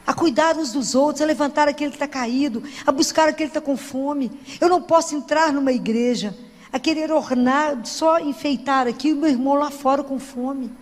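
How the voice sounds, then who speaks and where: A high-pitched woman with a Brazilian Portuguese accent preaches to a church gathering in a conversational way, often checking in with her listeners. Her voice rings out with a long reverb. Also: normal speed. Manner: chatty, with frequent tag questions and restarts. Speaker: Catholic lay preacher. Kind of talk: conversational sermon.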